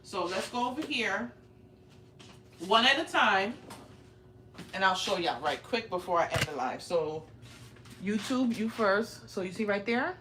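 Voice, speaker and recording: A chatty woman in her forties leads a casual live-stream tour, talking straight to her viewers. Her voice sits at an ordinary middle pitch and carries the open ring of small home rooms. A faint hiss runs beneath it, picked up by a handheld phone. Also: lively intonation, unhurried, pauses often. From raised in Brooklyn, New York. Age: 40s. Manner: chatty, keeps addressing viewers directly. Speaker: livestream host. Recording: roomy home audio, faint noise.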